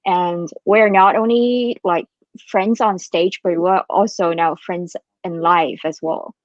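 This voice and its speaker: A woman's voice: lowish voice, steady tone, slow pace, no echo, lo-fi sound. A woman actor from Hong Kong telling how she joined the company, speaking steadily in an interview. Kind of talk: casual interview talk.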